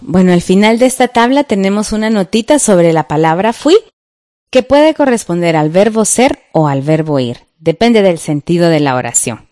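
A middle-aged woman with a Guatemalan Spanish accent teaches a grammar lesson. Her voice is warm and mellow, recorded dry and close, and she reads each example out slowly and deliberately. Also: on the low side, expressive, no room sound. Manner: slow, careful, explanatory.

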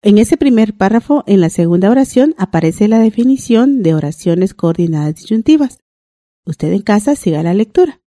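A woman teaching a language lesson on a broadcast, reading out rules and examples in a clear, deliberate way. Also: mid-range voice, lively intonation, dark tone, no echo, studio quality.

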